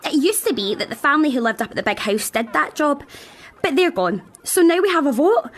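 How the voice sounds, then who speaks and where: A woman's voice: high-pitched, animated, brisk. A woman playing a bossy, chatty schoolgirl vlogger with a British accent in a children's radio drama. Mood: excited, informative. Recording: clearly noisy background ambience.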